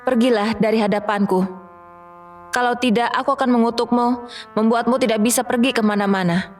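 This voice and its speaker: A woman's voice: a little high, fairly even intonation, fairly quick, soft background music, close to an everyday voice. A woman playing a stern, regal Fairy Queen who speaks with command in a children's cartoon fairy tale.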